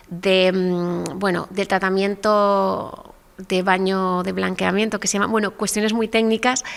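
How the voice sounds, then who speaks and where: At a fairly slow pace, a woman with a medium pitch talks in a monotone, flat intonation. She hardly pauses at all. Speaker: film director and screenwriter. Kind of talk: public conversation, interview. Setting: university lecture hall with audience. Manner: halting, many restarts.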